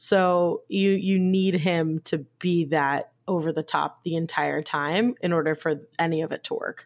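Here is a woman with a normal speaking voice and fairly low pitch. Her pace is fairly slow, her intonation fairly even, and she leaves hardly any pauses. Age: 20s. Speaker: movie podcast co-host. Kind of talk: casual chat.

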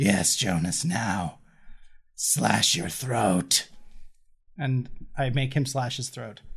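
Using vocal fry and lively intonation, a man talks very slowly at a medium pitch, pausing often and at length. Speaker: podcast narrator and writer. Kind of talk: role-play game chat.

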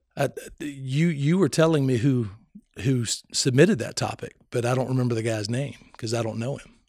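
On a very clean recording with a silent background, a man speaks in a normal speaking voice. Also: medium pitch for a man, ordinary pitch variation, moderate pace. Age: 40s. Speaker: biology teacher and baseball coach. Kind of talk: casual chat. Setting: school building at night.

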